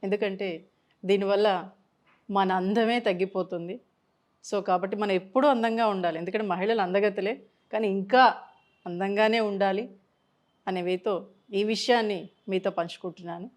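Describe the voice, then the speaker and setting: A woman's voice: mid-range voice, steady tone, moderate pace, pauses often. A woman counselor giving a health advice talk to camera, explaining through patient stories and mixing in English words.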